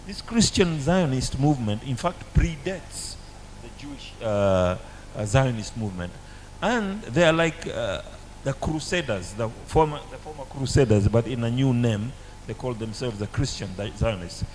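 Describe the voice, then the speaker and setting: A man giving a halting, deliberate explanation as a guest in a history discussion. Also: medium pitch, lively intonation, slight background noise. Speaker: panel guest.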